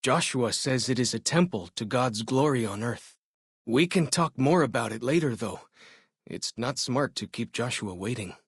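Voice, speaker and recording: An actor playing a young tribal scout in a video game, friendly, eager and earnest, speaking in simple, informal phrasing. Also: male voice, medium pitch, animated, normal speed, husky, dry recording, clean studio sound. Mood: informative, friendly. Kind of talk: video game character dialogue.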